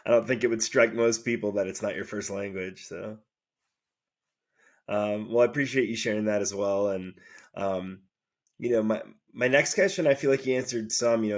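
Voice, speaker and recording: A man's voice: on the low side, steady tone, moderate pace. A man hosting a podcast, asking loose, rambling interview questions with fillers. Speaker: podcast host.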